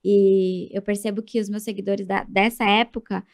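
A Brazilian woman in her thirties, a podcast guest, telling a story in an animated way and acting out the people in it. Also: mid-range voice, normal speed. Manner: animated, acts out quoted voices. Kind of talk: casual storytelling interview.

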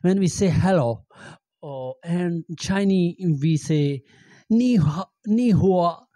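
A middle-aged man giving an amateur language lesson, halting and repeating phrases with many fillers, speaking into a handheld microphone in a small room. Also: high voice, expressive, mellow, no room sound. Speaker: language teacher. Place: small indoor room with green backdrop.

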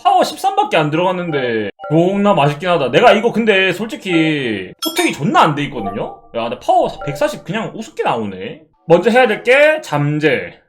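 A man's voice: sits high, fairly quick, hardly any pauses. Young guy streaming a mobile game, swears a ton, voice swings way up and down, faint music behind. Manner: excitable, swears a lot, yells at the game. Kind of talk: live game streaming chat.

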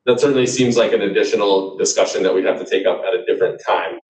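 A man chairs a board meeting over a video call, measured and formal as he moves through procedure. His voice is fairly low. It comes through roomy and distant.

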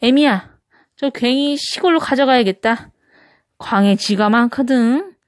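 A gruff old country granny from a children's storybook, acted by a woman, scolding in blunt rustic words. The voice is high and closely recorded. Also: unhurried, no room sound, studio quality, lightly acted. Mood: grumbling.

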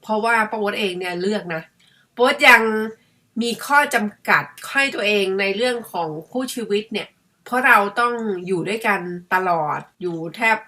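A woman's voice: medium pitch, a little fast, sharp tone. A middle-aged woman from Thailand chatting casually to her viewers in a musing, talkative way. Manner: chatty, musing, refers to herself by her own nickname. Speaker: vlogger. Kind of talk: casual chat to camera.

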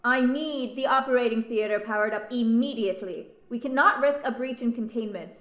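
Woman acting bossy urgent lady doctor, higher voice, dull echoey sound. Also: a little fast, close to an everyday voice. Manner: curt, authoritative. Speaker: actress in an audio drama. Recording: muffled, echoey.

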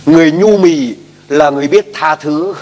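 A man's voice: a little high, moderate pace, darkish tone. A male pastor preaching a sermon emphatically, posing questions and asking the congregation to repeat after him. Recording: long hall reverb.

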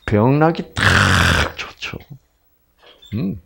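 Older korean guy doing a slow health talk, gravelly husky voice, lots of asides. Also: on the low side. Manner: chatty, animated, frequent fillers and asides to audience. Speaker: health lecturer. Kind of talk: health lecture with personal stories.

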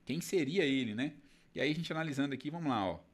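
A man's voice: fairly high pitch, expressive, fast talker. A man hosting a casual legal commentary video, chatting directly to his viewers.

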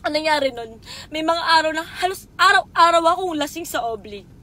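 High-voiced woman in a raw confession. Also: lively intonation, a little fast, pushed and bright. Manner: raw, tearful and swearing often; speaks straight to the person she accuses. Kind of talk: emotional personal confession.

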